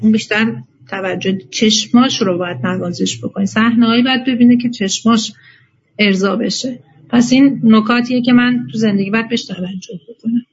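A woman's voice: on the high side, fairly even intonation, husky, muffled recording. A woman giving a lecture on marriage as an instructor, speaking directly to her listeners with advice. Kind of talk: lecture to a class.

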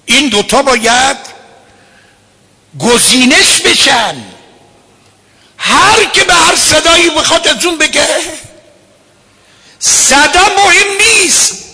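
A man giving a religious lecture as a cleric, emphatic and at times rising to a shout. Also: very high-pitched.

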